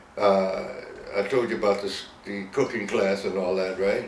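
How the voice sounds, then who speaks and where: A man with an American accent speaks amid noticeable background noise and audible room echo. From Virginia, US South. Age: 80s+. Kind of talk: interview. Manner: halting.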